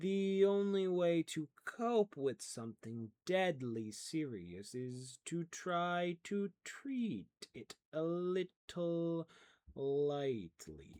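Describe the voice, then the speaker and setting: In a put-on character voice of middle pitch, the speaker talks at a very slow pace with hardly any pauses. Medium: read story. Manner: dry, cool.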